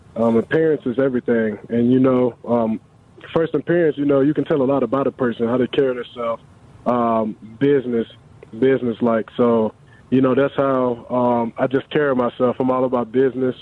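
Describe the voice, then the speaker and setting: A man speaks in a normal speaking voice, medium in pitch, at a fairly quick pace. His intonation is fairly even and his loudness very even. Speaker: professional football player. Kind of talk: radio interview.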